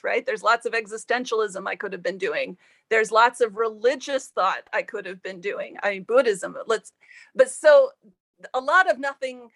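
A woman's voice: on the high side, a bit bright, dry recording. Woman author, thoughtful and dry-sounding. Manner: thoughtful, self-deprecating, many fillers and restarts. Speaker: author and historian. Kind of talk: podcast interview answers.

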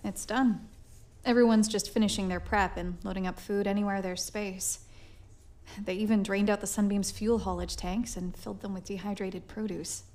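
A woman's voice: mid-range voice, steady tone, normal speed, darkish tone, natural voice. A woman playing a dutiful, weary privateer captain in a science fiction audio drama, plain-spoken and subdued. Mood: weary, earnest.

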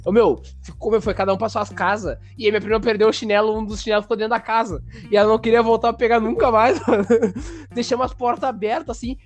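A man, hosting a podcast and telling a story in a lively, slangy way. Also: sits high, fast, faint music behind. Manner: animated, slangy, acts out sounds and voices. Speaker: podcast host. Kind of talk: casual storytelling.

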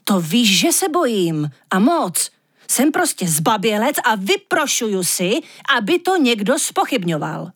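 A woman voicing a timid, cowardly male reindeer in a storybook reading, jittery and quick to take offence. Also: mid-range voice, very animated, fairly bright tone, breathy edge. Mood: indignant. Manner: jittery, easily startled, indignant.

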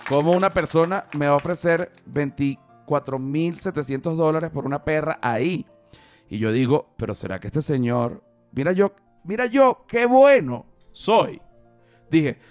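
Rambling man telling a story. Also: fairly high pitch. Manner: rambling, profane, joking digressions. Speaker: podcast host. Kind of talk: casual storytelling monologue.

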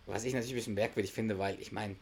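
A man's voice: fairly low pitch, steady tone, racing, a little mellow, husky. A man hosting a podcast, casually retelling a sitcom episode, often laughing and acting out the characters' lines. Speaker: podcast host.

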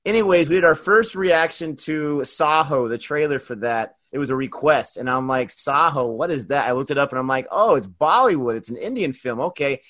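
A man, a podcast guest on a video call, talking in relaxed casual chat and sometimes searching for words. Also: on the high side, normal speed, hardly any pauses.

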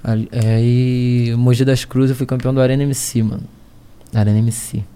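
A man in his thirties with a Rio de Janeiro accent, a rap battle MC talking slowly as a podcast guest, hesitant and full of slang fillers. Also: mid-range voice, flat delivery, mellow, smooth. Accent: Carioca Brazilian Portuguese. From Niterói, Rio de Janeiro, Brazil. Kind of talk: casual interview chat.

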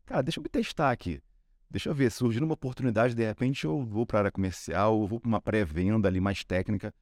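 A man's voice: fairly low pitch, fast talker, a little mellow, no room sound, clean studio sound. A man with a Carioca accent from Rio de Janeiro, a sales executive telling his career story as a podcast guest in a chatty way, often tagging on questions. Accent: Carioca Brazilian Portuguese. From Rio de Janeiro, Brazil. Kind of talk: casual podcast interview.

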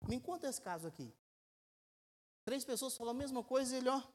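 A man, preaching a sermon as a pastor. He speaks with emphatic rhetorical questions and swings between loud and quiet. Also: very high-pitched, lively intonation, a little fast. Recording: echoey church hall with long reverb.

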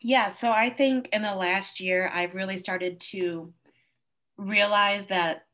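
Young woman in her twenties, bright clear tone, earnest, upbeat, college student being interviewed. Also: medium pitch, steady tone, slow pace. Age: 20s. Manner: earnest, upbeat, with frequent fillers. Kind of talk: casual interview conversation.

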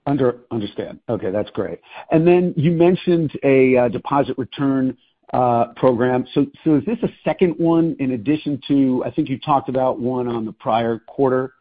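A man's voice: mid-range voice, moderate pace. A man asking questions as an analyst on an earnings call, informal and a little hesitant. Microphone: phone. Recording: tinny narrow phone line.

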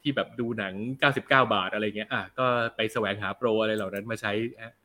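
A young adult man hosts a laid-back film review chat, his voice bright and forceful. He talks in a loose, slangy way and reads out viewer questions before answering them. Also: lowish voice, fast. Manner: relaxed, chatty, slangy, reads out viewer comments. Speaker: film review show host.

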